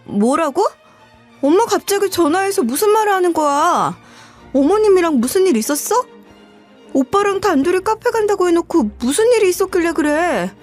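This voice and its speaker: A woman's voice: very high voice, sing-song, moderate pace, a little mellow, soft background music, voice pushed up. A woman voicing a confused young adult daughter asking her mother what happened. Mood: bewildered. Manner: confused, questioning.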